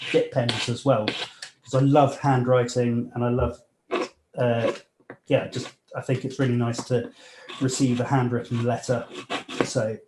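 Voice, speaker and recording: A young man from Nigeria talks through his jewellery work as he files and sands at the bench, relaxed and unhurried, with plenty of ums and restarts. His voice sits at an ordinary middle pitch. The small workshop is echoey, with a faint hiss and the clicks of tools behind him. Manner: relaxed, hesitant, many fillers, talks while working. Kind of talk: live demonstration with interview answers.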